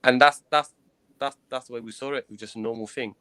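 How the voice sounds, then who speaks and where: A man in his thirties, a guest in an interview, recounting his own experiences in an earnest, hesitant way, pausing and restarting often. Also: medium pitch, fairly even intonation, sharp tone, clean tone, no room sound. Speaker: guest, former professional cricketer.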